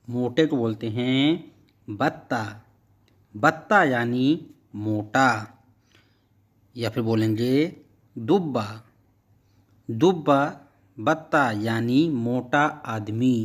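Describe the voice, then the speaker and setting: A man's voice: mid-range voice, no room sound. A man teaching vocabulary, repeating each word and then giving its meaning. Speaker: language teacher. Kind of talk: vocabulary lesson.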